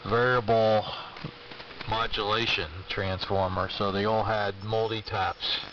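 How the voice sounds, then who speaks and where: A man's voice: on the low side, flat delivery, unhurried, fairly bright tone, recorded from a distance. Man on a noisy, muffled shortwave radio. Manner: hesitant, rambling, thinking aloud. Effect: shortwave AM radio transmission. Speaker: amateur radio operator. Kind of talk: casual ham radio chat.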